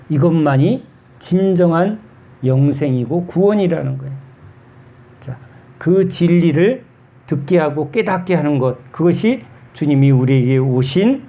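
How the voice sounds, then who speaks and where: A middle-aged pastor preaching a sermon, his voice mellow and set a little high for a man. He talks with the congregation as he preaches, asking them questions and answering them himself, and his delivery moves between quick and slow.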